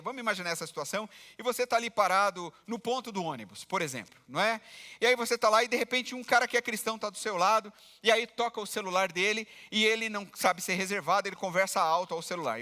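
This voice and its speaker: A man's voice: sits high, sharp tone. A man with a Brazilian Portuguese accent, a pastor preaching a conversational sermon full of rhetorical questions, recorded in a church. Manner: conversational, asks rhetorical questions, acts out quoted voices. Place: church sanctuary. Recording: long hall reverb.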